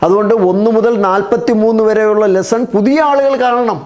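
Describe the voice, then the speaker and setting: A man's voice: high-pitched, fairly quick, a little mellow. A man with a Malayali accent teaching an exam-prep English lesson, spelling words out letter by letter and repeating the key terms.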